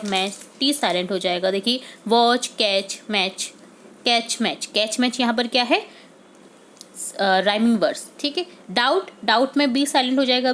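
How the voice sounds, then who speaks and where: A woman teaching English worksheets in Hindi with an Indian English accent, reading example sentences slowly and deliberately. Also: fairly high pitch, fairly bright tone. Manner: explains in Hindi, mixing English words. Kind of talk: worksheet solution walkthrough.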